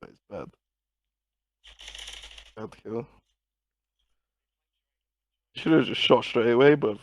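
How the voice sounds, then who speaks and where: A man's voice: medium pitch, takes it slowly. A young British man in casual gaming chat, talking in slang with swearing and an argumentative manner. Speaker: video game player.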